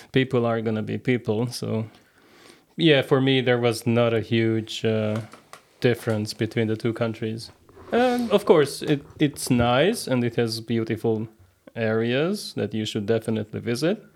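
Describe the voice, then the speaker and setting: Speaking at a fairly slow pace with a Hungarian accent, the voice keeps a fairly even intonation. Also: man, medium pitch for a man. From Hungary. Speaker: history and English graduate, hike coordinator. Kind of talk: casual interview.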